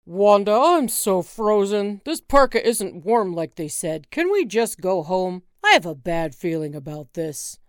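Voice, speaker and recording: A woman's voice: mid-range voice, big pitch swings, a little slow, hardly any pauses, dry recording, clean studio sound. A woman voicing a nervous, complaining middle-aged husband who wants to go home. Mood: fretful. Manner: whiny, complaining, reluctant.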